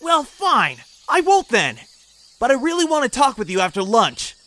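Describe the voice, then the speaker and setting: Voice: high voice, big pitch swings, moderate pace, bright, forceful tone, heavily acted. A performer voicing a young male ape heir in an audio drama, eager, whiny and petulant, pleading to be taken seriously. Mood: petulant, frustrated.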